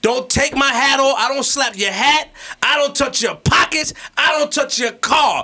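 This man, with a New York accent, uses a raised, projected voice at an extremely high pitch for a man. His loudness stays very even and his pitch varies in an ordinary way. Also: moderate pace. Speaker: podcast host; podcast host or guest. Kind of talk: casual chat. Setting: studio. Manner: animated. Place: studio. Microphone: studio mic.

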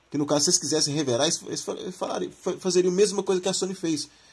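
A man with a Brazilian accent sounds animated and somewhat breathy. His pitch varies in an ordinary way. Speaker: gaming youtuber. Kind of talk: video commentary.

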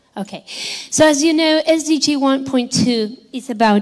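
A woman with a Spanish accent speaks with ordinary pitch variation against a quiet background. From Argentina. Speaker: economist; conference presenter. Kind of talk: conference talk. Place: hall. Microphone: podium.

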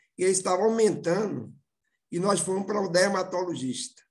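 A man speaks in a high pitch. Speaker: course student. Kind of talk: testimony. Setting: video call.

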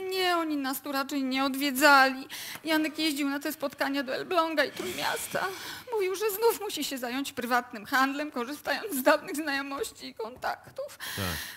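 A woman speaks with a high pitch and ordinary pitch variation. Clear background noise runs underneath. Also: moderate pace. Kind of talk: radio drama dialogue.

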